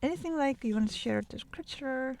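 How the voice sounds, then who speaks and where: A woman's voice: high voice, fast talker, creaky, darkish tone. A South Korean woman with a Korean accent hosting a radio interview and interpreting for listeners, a native Korean speaker. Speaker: radio host.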